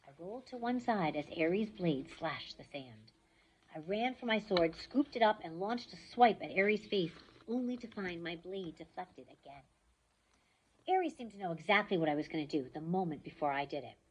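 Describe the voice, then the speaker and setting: A woman reading a novel aloud with expressive storytelling. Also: lowish voice, slightly rough, highs cut off. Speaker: reader.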